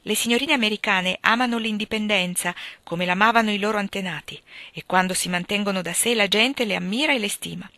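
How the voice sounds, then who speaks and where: Brief: warm-hearted young male tutor, voiced by a woman, encouraging, dry close read. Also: medium pitch, a little fast, few pauses, no echo, pitched above the performer's own voice. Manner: gentle and encouraging.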